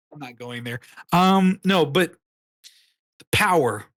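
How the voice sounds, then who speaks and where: A man co-hosts a casual podcast, rambling and restarting his sentences as he makes his case. He swears freely, and his voice sits a little higher than most men's. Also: lively intonation, slow pace, fairly bright tone. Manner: rambling, profane, restarts a lot. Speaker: podcast co-host. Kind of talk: casual chat.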